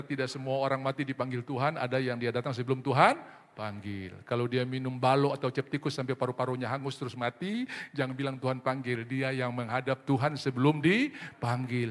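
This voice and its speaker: Pastor guy, cracking jokes mid-sermon, voices his characters, echoey church. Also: mid-range voice. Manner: humorous storytelling, mimics voices in anecdotes. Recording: reverberant church hall.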